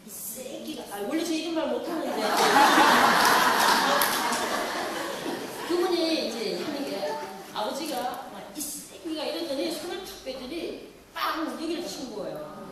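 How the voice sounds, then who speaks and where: A Catholic nun lecturing to an audience, telling a story in an animated way and acting out quoted lines. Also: female voice, high voice, background noise. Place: lecture hall. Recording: echoey hall from far off.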